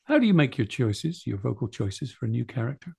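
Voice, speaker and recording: Gravelly, mellow-voiced male interviewer. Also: mid-range voice, very animated, brisk. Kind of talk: thoughtful interview questions.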